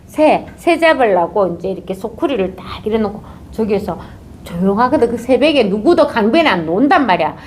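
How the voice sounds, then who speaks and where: A woman's voice: a little high, a little fast, slight background noise. A woman giving a dharma talk as a Zen teacher, telling a story and acting out its characters. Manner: animated, acts out characters.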